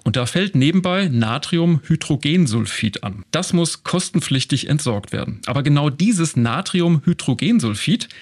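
Male corporate news co-host, husky gravelly voice, animated delivery. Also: fairly high pitch, moderate pace, few pauses. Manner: upbeat, conversational explaining. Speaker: co-host of a company news show. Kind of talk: casual scripted news chat.

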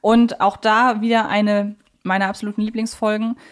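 A woman's voice: mid-range voice, flat delivery, normal speed. A woman with a German accent, hosting a fan podcast in an enthusiastic, opinionated, conversational way. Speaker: podcast host.

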